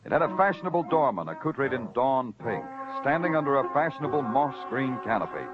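An actor playing a hard-boiled police detective who narrates in a terse, dry, wisecracking manner, in 1940s radio acting. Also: male voice, mid-range voice, big pitch swings, fairly quick, natural voice. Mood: wry narration. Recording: dull lo-fi old radio recording with music.

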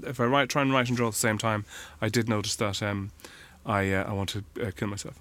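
Male guest who talks fast, rambles through answers, throws in deadpan dark jokes. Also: fairly low pitch. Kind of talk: casual interview chat.

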